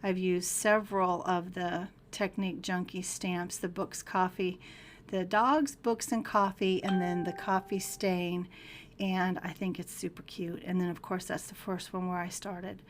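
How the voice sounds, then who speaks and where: Middle-aged lady with a hoarse scratchy voice, chatty card-making vlog, pretty flat delivery, faint room hum behind. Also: on the low side, unhurried. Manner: chatty, rambling, restarts often. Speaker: card-making channel host. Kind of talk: casual crafting tutorial.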